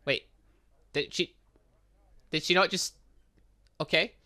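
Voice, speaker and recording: A man's voice: on the high side, takes it slowly, bright, forceful tone. A young man doing casual let's play commentary, rambling and mildly sweary, stumbling as he reads game text aloud. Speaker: gaming channel host.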